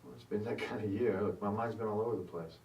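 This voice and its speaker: Wry friend played by a man, fast, mellow and low, distant echoey room. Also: muffled recording, lightly acted. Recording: distant, echoey, faint noise.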